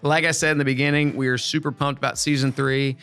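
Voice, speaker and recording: A man's voice: medium pitch, flat delivery, fast, fairly bright tone, clear, resonant tone. A man hosting a podcast, giving casual advice and often repeating words as he thinks aloud. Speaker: podcast host.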